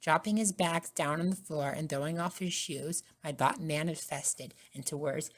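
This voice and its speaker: A woman narrating a scripted first-person ASMR story in a soft-spoken way. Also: low-pitched, moderate pace. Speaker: narrator and voice actor.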